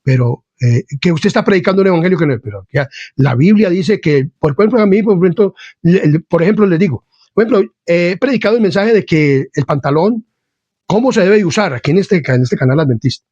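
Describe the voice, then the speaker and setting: A man's voice: high voice, lively intonation, a little fast, husky, no echo, muffled recording. A man preaching an informal sermon to an online channel, blunt and hard-edged, who keeps addressing his listener as dear friend and brother. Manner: insists he is not angry while speaking forcefully. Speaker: lay preacher.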